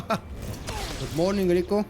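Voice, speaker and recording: A man's voice: sits high, expressive, takes it slowly. A man from Bulgaria with a heavy Bulgarian accent, chatting casually while streaming a game; Bulgarian is his native language. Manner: casual, chatty, self-deprecating. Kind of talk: live gameplay commentary. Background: game music.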